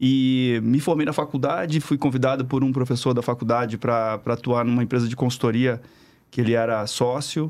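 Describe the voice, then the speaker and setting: With a quiet background, a man of medium pitch talks at a moderate pace, his intonation fairly even and his loudness very even. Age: 40s. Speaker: tech company co-founder. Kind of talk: interview. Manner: halting, frequent fillers.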